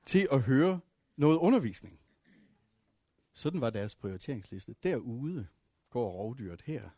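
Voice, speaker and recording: Husky preacher swinging loud to soft. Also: male voice, mid-range voice, dry recording, studio quality. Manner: dramatic swings from loud to hushed; storytelling with fillers and restarts. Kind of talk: sermon with travel stories.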